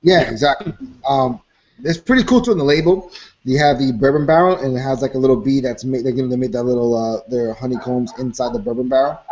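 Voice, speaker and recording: A man's voice: medium pitch, quick pace, darkish tone, dull audio. Rambling man tasting beer on a call. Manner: rambling, filler-heavy. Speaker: co-host. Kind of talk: casual beer tasting chat. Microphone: video call.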